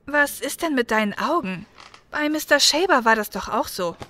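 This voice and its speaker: A woman's voice: high voice, lively intonation, moderate pace, sharp tone, heavily acted. An actress playing a concerned, inquisitive female colleague in an audio drama.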